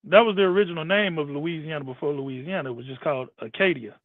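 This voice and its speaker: A man's voice: on the high side, quick pace, no echo. A man on an online panel, chatting casually and explaining history with many restarts. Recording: tinny phone-line sound.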